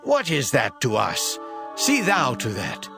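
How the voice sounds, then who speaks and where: A man's voice: medium pitch, wildly swooping pitch, slow pace, vocal fry, over music, heavily acted. A man playing a cold, dismissive chief priest in a dramatized scripture reading.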